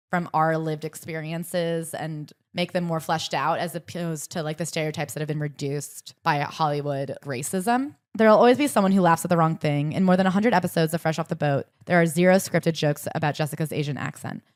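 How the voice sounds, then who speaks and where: A young woman co-hosting a podcast, summarizing a book and reading passages aloud in a brisk, chatty way. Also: low voice, dry recording, clean studio sound. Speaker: podcast co-host. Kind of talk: casual book-club chat with read-aloud passages.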